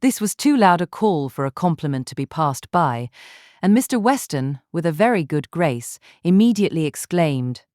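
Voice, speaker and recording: A woman's voice: low-pitched, big pitch swings, normal speed, a little mellow, no room sound, studio quality. A woman reading scripted literary narration for an audiobook.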